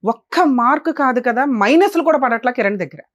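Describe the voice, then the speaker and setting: A woman advocate scolds guests quickly and emphatically in a fairly high voice. Her indignant lecture carries in a dry room with no echo. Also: animated. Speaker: advocate and show host. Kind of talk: stern lecture on a family dispute show.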